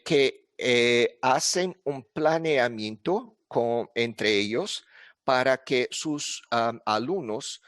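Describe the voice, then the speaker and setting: A man giving an academic presentation at an online congress in a language that is not his first, speaking haltingly with many filler sounds and restarts. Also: mid-range voice, a bit bright, dry recording, studio quality. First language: not Spanish. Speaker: conference presenter.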